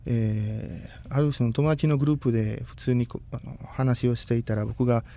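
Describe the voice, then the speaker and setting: A Costa Rican man in his thirties, a native Spanish speaker, is a guest in a relaxed interview. His medium-pitched voice is gravelly and mellow with a steady tone, and he speaks politely and deliberately, often pausing to search for words.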